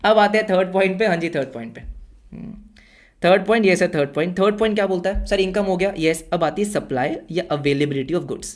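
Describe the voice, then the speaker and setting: A man teaching an online class, lively and full of quick yes-or-no questions for his students, slipping English terms into his speech. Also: high-pitched. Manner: energetic, fires rhetorical yes-or-no questions at students.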